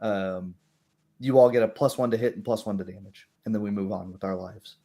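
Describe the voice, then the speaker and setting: A man's voice: fairly low pitch, steady tone, fairly quick, warm tone. A man who is a game master hosting a stream, chatting casually and explaining tabletop rules with little examples. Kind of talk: casual chat about tabletop role-playing rules.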